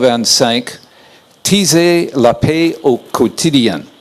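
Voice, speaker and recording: The man speaking has a fairly high pitch. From United States. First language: English (speaking French). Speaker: moderator. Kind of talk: event moderation. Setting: hall with audience, streamed on Zoom. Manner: halting.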